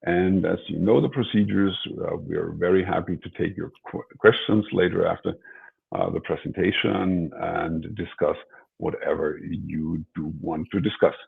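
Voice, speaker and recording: A deep, very gravelly man speaks in measured, formal phrases on an earnings call. His voice is raspy and comes through a tinny phone line. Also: fairly even intonation. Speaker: company executive.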